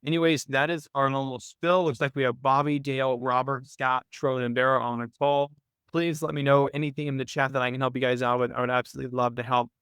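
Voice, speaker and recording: A man speaks as the host of an informal live coaching call. His voice is mid-pitched and crisp, and he explains things step by step, often restating his points. The sound is close and dry, with very little room in it. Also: level tone, quick pace, fairly bright tone, no room sound. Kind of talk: informal financial coaching, live webinar commentary.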